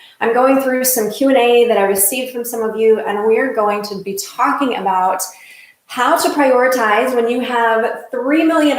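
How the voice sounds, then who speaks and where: Against noticeable background noise and audible room echo, a woman talks at a fairly high pitch with ordinary pitch variation. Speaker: business coach. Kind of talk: live coaching session. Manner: fast; animated.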